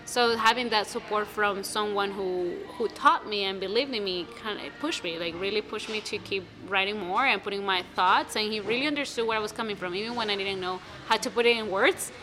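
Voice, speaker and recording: A young woman speaking English as a second language, answering interview questions about her play in a lively, casual way with many restarts. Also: medium pitch, brisk, few pauses, music in the background. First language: not English. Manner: animated, many restarts and fillers. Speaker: playwright guest.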